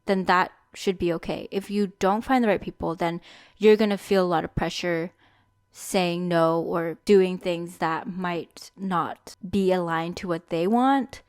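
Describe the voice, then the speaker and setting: A woman's voice: fairly low pitch, fairly even intonation, measured pace, no echo. Candid young woman, dry close sound. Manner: candid and chatty, thinking aloud. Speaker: podcast host. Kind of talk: solo reflective podcast monologue.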